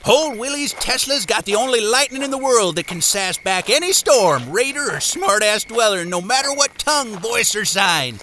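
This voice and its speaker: A man's voice: sits high, big pitch swings, moderate pace, hardly any pauses, bright, forceful tone, a little hiss or hum, exaggerated voice. A man playing a boastful, lecherous, eccentric lightning-rod peddler who rambles theatrically to himself in an audio drama. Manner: rambling, theatrical rhetorical monologue, chuckling to himself.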